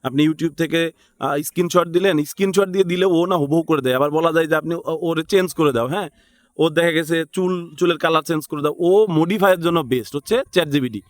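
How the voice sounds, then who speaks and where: A man with a Bangladeshi accent runs through a tutorial step by step, casual and unscripted, thinking aloud and frequently checking in with short tag questions. His voice sits on the high side, he speaks fast, and there's no echo.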